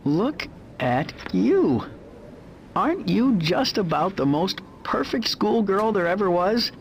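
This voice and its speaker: A man's voice: high-pitched, sing-song, slow pace, creaky, slight background noise, heavily acted. An actor playing a creepy man who fawns over a schoolgirl in a syrupy, cooing manner in a video game. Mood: creepy fawning.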